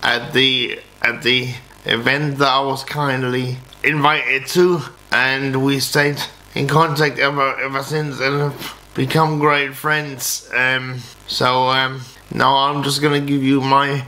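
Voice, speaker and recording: Halting man with a bright, forceful voice. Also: mid-range voice, little pitch movement, a little hiss or hum, poor audio. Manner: halting, repeats and restarts words. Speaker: motorsport vlogger. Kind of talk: casual race review to camera. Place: small home office, indoors.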